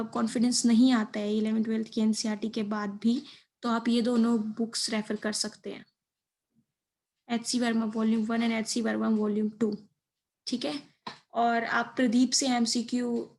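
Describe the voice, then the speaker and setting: A woman's voice: a little high, darkish tone. A young woman with an Indian accent giving informal study advice as a video presenter, explaining step by step and mixing in English terms. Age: young adult. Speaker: exam preparation video presenter.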